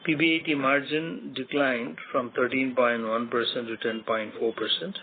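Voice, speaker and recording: Over a thin, phone-like line with clear noise, a man with an Indian accent speaks at a middling pitch. He delivers a formal scripted earnings presentation as a company executive, measured and factual, setting out one figure after another. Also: steady tone.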